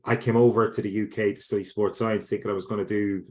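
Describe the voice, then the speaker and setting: A man's voice: on the low side, flat delivery, fast. A man with an Irish accent, a sports psychology lecturer answering interview questions in a casual, conversational way, often restarting and repeating words. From Ireland.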